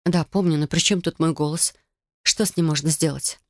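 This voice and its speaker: A woman reader voicing a cautious, doubtful young heroine in her own low voice. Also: steady tone, normal speed, no room sound, studio quality. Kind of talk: audiobook character voice.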